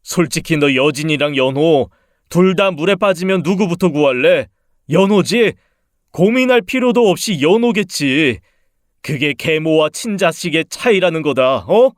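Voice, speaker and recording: A man's voice: fairly high pitch, expressive, a little slow, no echo, studio quality. A man voicing a resentful, tipsy husband in a dramatized radio story, speaking in a reproachful, accusing way.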